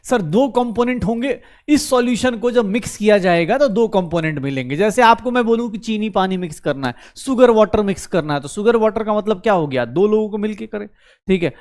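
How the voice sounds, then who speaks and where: A male chemistry teacher, giving an online class lecture in a brisk, coaxing way, asking questions and answering them himself. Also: sits high, expressive, a little mellow. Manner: mixes Hindi with English terms, calls students beta.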